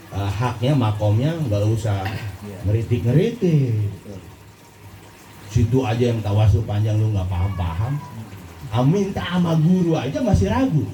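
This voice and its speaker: Guy giving a sufi sermon, lilt, mellow voice, echoey hall, mic far off. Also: slight background noise. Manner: lively, asks the audience questions, swings between low and high pitch. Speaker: preacher. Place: gathering in a hall.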